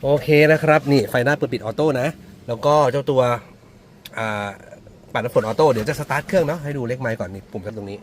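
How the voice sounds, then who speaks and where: Showing off a used car from the inside, a Central Thai-accented dealer chats casually in a medium-pitched voice at a quick pace, with slight background noise. He pokes fun at himself and talks to his viewers as though they were his older siblings.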